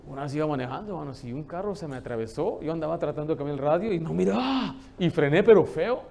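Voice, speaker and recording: A man, preaching a lively sermon in a church and telling stories with humor. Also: on the high side, rapid-fire. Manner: lively storytelling, joking with the congregation. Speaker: pastor.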